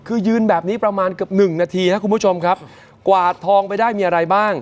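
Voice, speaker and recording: A man presenting morning news, retelling events in a lively, chatty way and addressing viewers directly. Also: high voice, fast talker.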